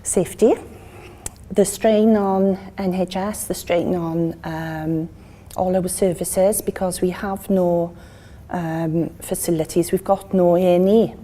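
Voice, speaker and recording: A woman in her fifties with a Welsh accent, telling an interviewer her story in an earnest, halting way. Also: on the low side, fairly even intonation, dark tone. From Wales. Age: 50s. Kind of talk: documentary interview.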